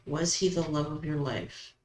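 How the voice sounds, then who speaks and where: A woman hosting a paranormal session, asking questions aloud and commenting casually, with halting pauses between them. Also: low voice, steady tone, darkish tone. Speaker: host of a spirit box session. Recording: roomy echo, background noise.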